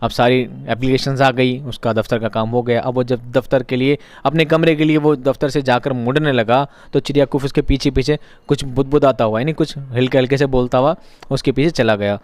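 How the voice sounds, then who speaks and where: A man's voice: mid-range voice, fairly quick, dry recording. Man explaining a story lesson. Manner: lively, conversational, acts out dialogue. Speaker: Urdu teacher.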